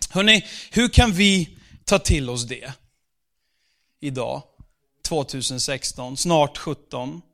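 A man giving a conversational church sermon, slowing down for scripture and sometimes raising his voice for emphasis. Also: on the high side, animated. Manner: conversational preaching with fillers, slows for scripture, bursts louder for emphasis. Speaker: pastor.

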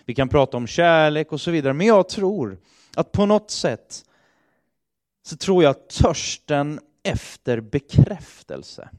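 Man preaching a chatty, halting sermon. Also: a little high, darkish tone, dry recording, studio quality. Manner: conversational, hesitant with fillers and restarts.

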